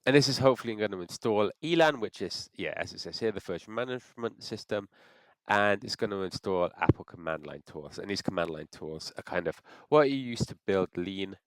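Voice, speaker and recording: A man with a cold, sounding congested, talking through a software install step by step and thinking aloud as he clicks. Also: fairly low pitch, animated, fairly quick, hardly any pauses, dry recording, low-quality recording. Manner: thinks aloud with frequent restarts. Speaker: software tutorial presenter. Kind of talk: screen-recorded how-to walkthrough.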